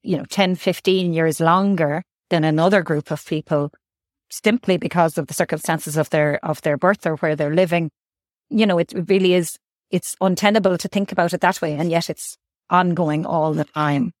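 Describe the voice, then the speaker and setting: A woman's voice: fairly low pitch, steady tone, normal speed, dry recording, clean studio sound. A woman doctor, answering interview questions thoughtfully and often repeating words as she thinks. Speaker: guest doctor.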